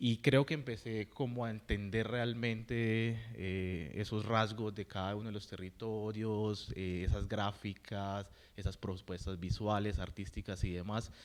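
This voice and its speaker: A man with an unremarkable speaking voice, fairly low in pitch, fairly slow with hardly any pauses and fairly even intonation, in a very clean recording with a silent background. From Colombia, Bucaramanga then Medellín from age 14. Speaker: graffiti artist. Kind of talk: panel discussion.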